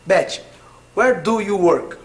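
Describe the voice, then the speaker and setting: A man's voice: sits high, expressive, slow pace. A man in an educational sketch, talking in a playful back-and-forth way. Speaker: actor in an educational show. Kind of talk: scripted classroom sketch dialogue.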